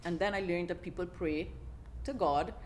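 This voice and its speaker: A middle-aged Trinidadian woman with a notably low voice tells her story in a relaxed, chatty way. She laughs often and restarts her sentences as she talks. Faint background noise sits under the voice. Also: normal speed. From Trinidad and Tobago. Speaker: podcast guest. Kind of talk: casual interview storytelling.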